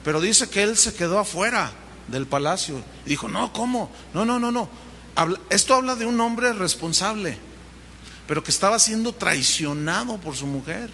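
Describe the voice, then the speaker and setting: A man's voice: sits high, animated, moderate pace, pushed and bright, slight background noise. A man with a Mexican Spanish accent preaching a sermon as pastor, telling the story vividly and acting out the dialogue. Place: church hall. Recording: long reverb of a large hall.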